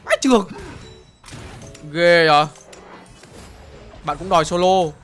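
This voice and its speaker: A young man with a very high, bright voice calls out his match as he plays, exclaiming constantly and trash-talking the enemy team. Faint game music plays behind him. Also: takes it slowly. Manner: excitable, exclaiming, brash trash talk. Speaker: gaming streamer. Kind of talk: live gameplay commentary.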